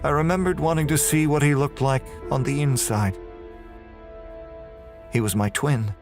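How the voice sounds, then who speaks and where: A man's voice: a little high, steady tone, natural voice. Man acting a damned, brooding killer, music behind. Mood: cold, brooding. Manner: dramatic, brooding, deliberate delivery. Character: damned male murderer prisoner, tormented, confessing in hell. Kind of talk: first-person horror audio drama monologue.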